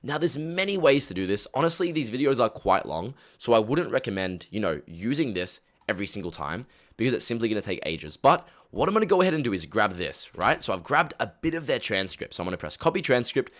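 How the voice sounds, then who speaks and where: A man's voice: mid-range voice, big pitch swings, fast talker, a bit bright. A man giving a casual screen-recorded tutorial, talking in a chatty, direct way with lots of fillers. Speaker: YouTube automation coach.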